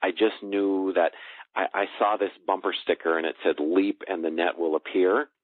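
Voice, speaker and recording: A man's voice: low-pitched, fairly even intonation, moderate pace, no room sound. A middle-aged man speaking as a guest coach in a call interview, feeling for his words and repeating phrases for emphasis. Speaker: guest, personal growth coach and author. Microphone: telephone. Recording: dry, band-limited phone call.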